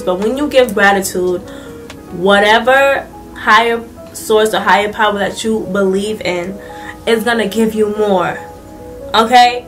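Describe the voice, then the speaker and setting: A woman's voice: on the high side, distant mic. Chatty stuffy-nosed young woman vlogger. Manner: chatty, animated, lots of "like" and hand gestures. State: congested, stuffy nose. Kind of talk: casual motivational talk to camera. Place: small indoor room.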